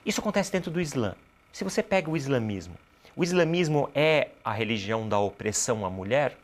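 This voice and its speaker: A Brazilian man, a cultural producer and activist, speaks as an interview guest in a mid-range voice that is very animated and fairly quick. He explains his ideas didactically, posing rhetorical questions and answering them himself.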